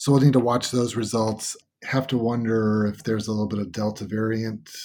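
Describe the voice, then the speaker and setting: A man's medium-pitched voice, a normal speaking voice with fairly even intonation and a moderate pace. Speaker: podcast host. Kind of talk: casual chat.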